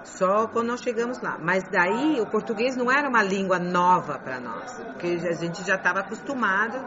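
A middle-aged woman whose first language is Chinese, answering interview questions in a halting way, repeating phrases and restarting words. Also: mid-range voice, expressive. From grew up in Beijing, China. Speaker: interview guest. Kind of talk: conversational interview. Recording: muffled with crowd murmur behind.

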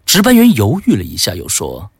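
A man narrating a suspenseful story in a slow, hushed way. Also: on the low side, wildly swooping pitch, slightly rough, dry recording, studio quality.

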